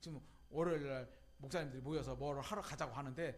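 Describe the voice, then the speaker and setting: A man talks very fast in a dark, mellow, somewhat breathy tone. The room echo is audible. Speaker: pastor. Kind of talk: sermon. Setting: church.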